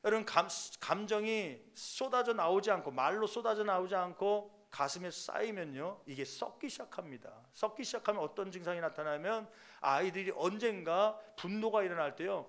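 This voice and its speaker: A middle-aged male pastor preaching a sermon, emphatic and rising to loud peaks, acting out parents and children in quoted voices. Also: high voice, vocal fry.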